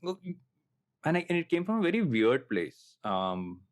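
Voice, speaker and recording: Speaking at normal speed in a very animated, medium-pitched voice, a Telugu-accented podcast host from coastal Andhra Pradesh, India, reflects casually on things. He's in his late thirties, and his talk is anecdotal and self-deprecating.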